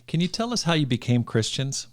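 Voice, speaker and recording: A man's voice: medium pitch, big pitch swings, fairly quick. A man hosting a podcast, introducing guests and asking interview questions in an upbeat, encouraging way. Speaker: podcast host.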